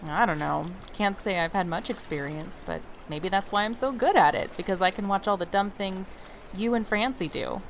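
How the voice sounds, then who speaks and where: A woman's voice: medium pitch, lively intonation, moderate pace, lightly acted. Actress as a feisty, sassy young woman, faint background noise. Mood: self-deprecating, frank. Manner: sassy, casual. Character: feisty, blunt, protective young woman, best friend. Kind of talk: audio drama acting.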